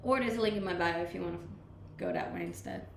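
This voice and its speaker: Quick and full of huge pitch swings, her lowish, gravelly voice carries a slight Danish accent blended from years abroad. The young woman streams from an echoey room with faint background noise, reading live comments and chatting easily with viewers while laughing often.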